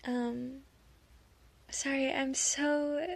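Woman, high-ish, slow, sniffly; nervous halting ramble with stammers, giggles and whispered asides. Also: little pitch movement, creaky. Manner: drops into soft whispers at times; giggles often. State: sniffly from allergies. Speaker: audio creator. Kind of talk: rambling casual monologue.

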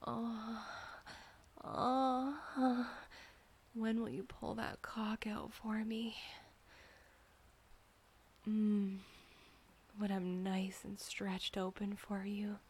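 Young woman whispering real slow and breathy, kinda flat tone, intimate roleplay vibe. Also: mid-range voice.

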